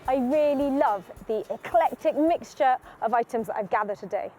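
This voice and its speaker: Bubbly high-voiced woman presenter. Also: normal speed, warm tone, soft background music. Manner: bubbly and enthusiastic. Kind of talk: casual on-location chat. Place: outdoors at a recycling centre.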